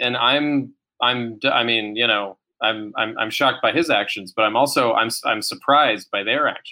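A man with an American accent talks at a moderate pace in an ordinary speaking voice. His pitch is medium with ordinary variation, and his loudness stays very even. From upstate New York. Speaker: comedy writer. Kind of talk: casual chat. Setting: live-streamed podcast recording.

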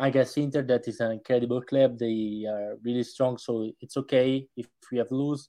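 A man with an Italian accent talks at a moderate pace and medium pitch in a dark, mellow tone. His intonation is monotone and flat, and the background is quiet. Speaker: football podcaster, Fiorentina fan. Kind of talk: casual interview. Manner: halting, hesitant.

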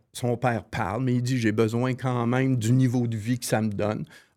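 A man speaks at medium pitch and a moderate pace. He has a normal speaking voice. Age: 60s. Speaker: political commentator. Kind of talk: casual chat.

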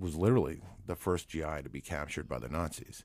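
A man with a very deep, low voice and vocal fry speaks with ordinary pitch variation. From Canada. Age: 40s. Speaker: bishop and hypnotherapist. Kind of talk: casual interview.

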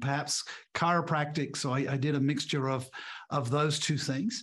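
Speaking at a moderate pace, a man with a fairly high pitch sounds somewhat breathy. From England. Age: 60s. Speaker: leadership coach and author. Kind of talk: interview. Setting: video call.

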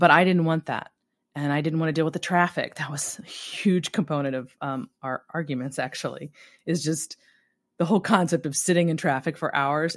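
Over a quiet background, a woman talks at a moderate pace in a very deep, low voice with fairly even intonation. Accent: American. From US Midwest. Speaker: podcast host. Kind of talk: casual monologue.

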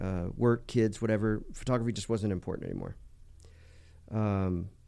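Heard in a very clean recording with a silent background, the voice has a dark, mellow tone, a Californian accent, and a moderate pace. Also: man. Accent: Californian American. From Los Angeles area (South Gate). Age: 50s. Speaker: car performance shop owner. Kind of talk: casual chat. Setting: studio.

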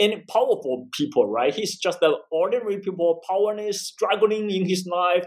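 Speaking with a Chinese accent is a man. His pace is moderate. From eastern China. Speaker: history professor. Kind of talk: interview. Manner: halting, with repetitions.

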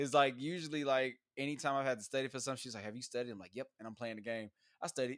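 A man at medium pitch with ordinary pitch variation, very fast pace, big swings in loudness, and a dry, close sound with no echo. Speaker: podcast host. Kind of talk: casual chat.

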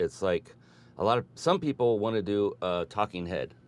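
A man talks at a moderate pace in a fairly low pitch. He has a normal speaking voice. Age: 50s. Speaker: entrepreneur and author. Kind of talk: interview. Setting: remote call.

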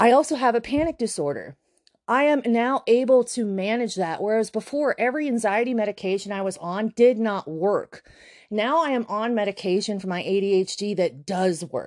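Over a quiet background comes an unremarkable speaking voice. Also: woman, fairly high pitch for a woman, lively intonation, moderate pace. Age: 30s. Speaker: podcast host and social media influencer. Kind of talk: casual monologue.

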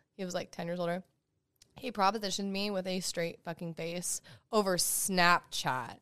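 At a moderate pace, a woman speaks in a bright, sharp tone at a medium pitch. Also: fairly even intonation. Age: 20s. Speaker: lawyer and social media creator. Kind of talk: casual chat. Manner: loud.

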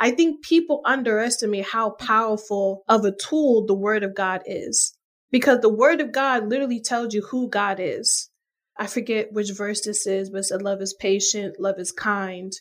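A woman's ordinary speaking voice with an American accent, fairly high in pitch, with ordinary pitch variation at a moderate pace. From US Northeast, New York City (the Bronx). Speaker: mental health advocate. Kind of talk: interview testimony.

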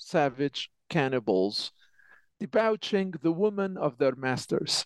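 A man with an Iraqi accent speaks at a high pitch with lively intonation and a fairly slow pace. The background is quiet. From Iraq, Basra. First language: Arabic. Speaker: professor and translator. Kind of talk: interview.

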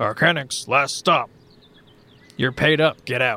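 This man uses a gruff, put-on character voice, fairly high in pitch, and talks at a fairly slow pace.

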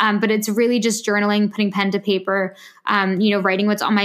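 A woman with a normal speaking voice, medium pitch and fairly even intonation. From Canada. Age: 20s. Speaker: lifestyle brand founder. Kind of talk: casual interview chat.

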